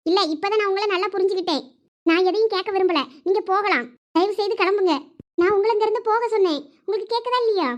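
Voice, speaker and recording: A woman's voice: very high voice, fast, dull audio. A woman voicing a sulky, hurt young wife with a Thoothukudi Tamil accent in a cartoon, reproachful and insistent. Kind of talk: cartoon voice acting.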